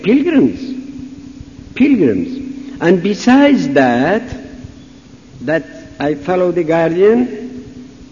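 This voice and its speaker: Older Persian-accented man telling a slow story. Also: high-pitched, mellow. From Iran. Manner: slow, humorous storyteller acting out dialogue. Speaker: speaker at a conference. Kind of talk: storytelling talk. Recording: muffled hall recording.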